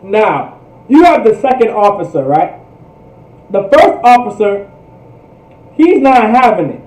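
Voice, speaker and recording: Picked up by a faraway microphone in a reverberant room, a man delivers religious history teaching like a fervent sermon, emphatic and full of repetitive, rhetorical phrasing. He speaks at a measured pace in a high, sing-song voice with a darkish tone.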